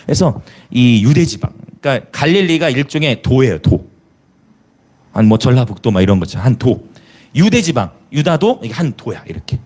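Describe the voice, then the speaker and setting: Lively pastor. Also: male voice, mid-range voice, moderate pace. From Jeolla, South Korea. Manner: lively preaching with rhetorical questions and hallelujahs; chuckles between remarks. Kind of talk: sermon.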